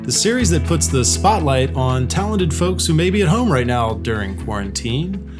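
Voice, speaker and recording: A man's voice: fairly high pitch, big pitch swings, moderate pace, music in the background. A man hosting an online series, interviewing a chef over video chat from his home kitchen in an upbeat, friendly way. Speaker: host. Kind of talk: casual video-chat interview and cooking lesson.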